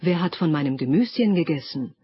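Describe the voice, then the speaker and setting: Little storybook dwarfs all puzzled and fussy, a woman reading them, breathy voice, bit dull lo-fi sound. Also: low-pitched, lively intonation, a little fast, heavily acted. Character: seven kindly little male dwarfs, fussy. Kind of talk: audiobook fairy tale reading.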